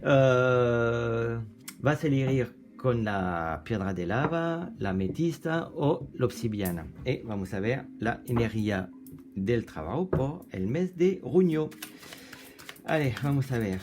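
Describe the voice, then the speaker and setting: Slow, halting man with French accent. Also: medium pitch, expressive, background noise. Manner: halting, searches for words, many restarts; drops in French fillers. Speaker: tarot reader. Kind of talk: casual card reading to camera.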